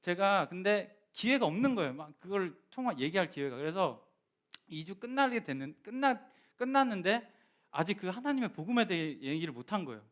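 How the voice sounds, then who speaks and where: Animated young male preacher. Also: high voice, fairly quick. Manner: animated storytelling, voice rising and dropping for emphasis; restarts and fillers, conversational address to congregation. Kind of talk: sermon with personal story.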